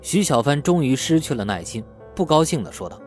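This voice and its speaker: Expressive male audiobook narrator over music. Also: fairly high pitch, fairly quick. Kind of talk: scripted dramatic novel narration.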